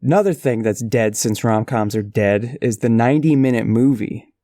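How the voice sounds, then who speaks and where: A man with a mid-pitched voice co-hosting a casual podcast. He chats with dry, offhand humor. The sound is dry and close. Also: moderate pace, dark tone, no room sound. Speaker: podcast co-host. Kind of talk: casual comedic chat.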